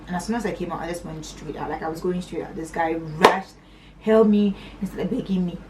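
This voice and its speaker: A young woman from Northern Nigeria telling a personal story on her vlog in a chatty, animated way, her voice swinging up high and dropping to low asides. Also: fairly quick, recorded from a distance, heavy background noise. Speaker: vlogger.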